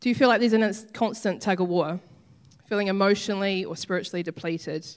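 A woman speaks with a New Zealand accent. Her pace is fairly quick and her pitch variation ordinary. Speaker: preacher. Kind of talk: sermon.

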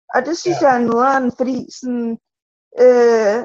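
A woman's voice at a fairly slow pace, with fairly even intonation. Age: 20s. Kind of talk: interview.

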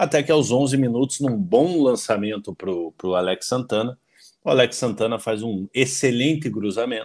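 A man at medium pitch with lively intonation and a fairly slow pace, dry and close with no echo, on a very clean recording against a silent background. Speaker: football podcast co-host. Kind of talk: casual chat.

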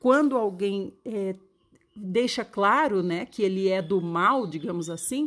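A woman's medium-pitched voice with very wide pitch swings at a fairly slow pace, on a very clean recording with a silent background. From Brazil, São Paulo state. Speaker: Bible study podcaster. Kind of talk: devotional Bible reading and teaching.

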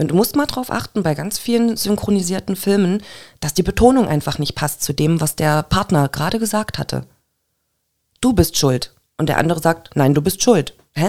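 An ordinary speaking voice: a woman at fairly low pitch with lively intonation and a moderate pace, on a very clean recording with a silent background. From Nordhausen area, Thuringia. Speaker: process manager and voice actor. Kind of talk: casual interview. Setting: studio.

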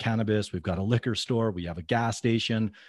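With a Canadian accent and an unremarkable speaking voice, a man of fairly low pitch talks at a fairly quick pace with ordinary pitch variation against a quiet background. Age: 40s. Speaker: commercial real estate developer and investor. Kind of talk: interview.

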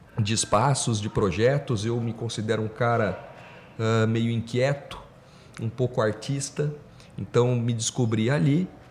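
In a normal speaking voice, a man talks at a fairly slow pace and medium pitch with ordinary pitch variation. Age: 40s. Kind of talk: interview conversation.

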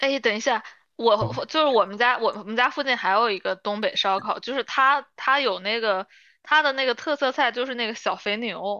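A woman speaks with a bright, sharp tone and a fairly high pitch. Her pace is moderate, with ordinary pitch variation. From northern China. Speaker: podcast host. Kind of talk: casual chat.

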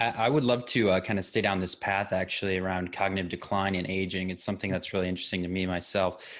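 A man with an American accent and a very deep, low pitch talks at a very fast pace with hardly any pauses and fairly even intonation, in a very clean recording with a silent background. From US Midwest. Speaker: podcast host, physician. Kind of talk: interview. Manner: halting.

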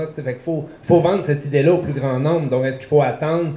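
A man speaks in a normal speaking voice. His pitch is fairly high and his intonation fairly even. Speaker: moderator relaying audience questions. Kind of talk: public Q&A.

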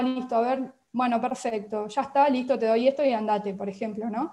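This woman's pitch is high. Her tone comes across as dark and mellow. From Argentina, Buenos Aires province. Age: 30s. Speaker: biochemist. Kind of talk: interview.

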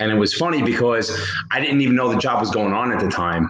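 A man speaks with a strong New York accent and ordinary pitch variation. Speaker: retired police detective. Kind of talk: casual chat. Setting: live video call.

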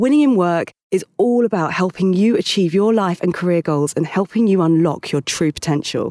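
A woman speaks at a moderate pace in an ordinary speaking voice, medium in pitch and lively in intonation, with hardly any pauses and very even loudness. The recording is very clean with a silent background, and the sound is dry and close with no echo. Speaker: career coach and podcast host. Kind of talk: interview.

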